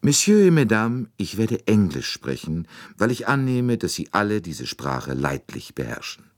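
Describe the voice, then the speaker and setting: A man's voice: wildly swooping pitch, unhurried, heavily acted. A man voicing a fussy, shrewd older Belgian detective who speaks precisely and probes politely. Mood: formal address. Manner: precise, politely probing, rising pitch.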